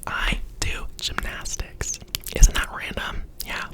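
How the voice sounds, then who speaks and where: An eighteen-year-old man whispering a casual ASMR question-and-answer session from his bedroom, rambling with lots of "um" and "like". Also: takes it slowly. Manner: rambling, chatty, full of "um" and "like". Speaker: ASMR creator.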